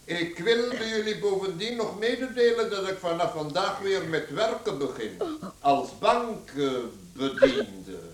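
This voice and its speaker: A man's voice: high-pitched, lively intonation, takes it slowly, reverberant, full character voice. An actor playing a stern, domineering father in a radio play, speaking in a commanding, pompous, emphatic way. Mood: authoritative. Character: stern, domineering patriarch, gruff family father.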